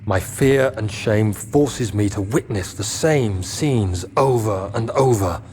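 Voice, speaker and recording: An actor playing a young, troubled Englishman who reads his diary in measured, formal phrases. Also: on the low side, a little mellow, slight background noise. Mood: haunted, guilty. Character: young Englishman writing a haunted, fearful travel diary. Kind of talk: dramatic diary narration.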